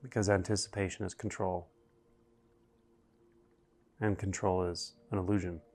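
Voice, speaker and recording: Man, meditation guide, deep voice, level intonation, unhurried phrases with long pauses. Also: flat delivery, a little mellow. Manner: slow, deliberate, with long pauses between phrases.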